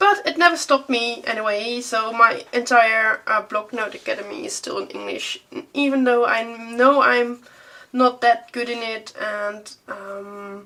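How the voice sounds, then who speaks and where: A woman with a Dutch accent talks at a fairly slow pace in a fairly high pitch. Her pitch varies in an ordinary way, while her loudness swings widely. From Netherlands. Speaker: artist and art teacher. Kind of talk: casual chat to camera. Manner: hesitant, many fillers.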